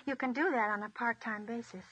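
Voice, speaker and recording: An actress playing a young wartime woman who narrates her days in a 1940s radio drama, soft and reflective. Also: a little high, fairly quick, highs cut off, slight background noise, lightly acted. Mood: wistful.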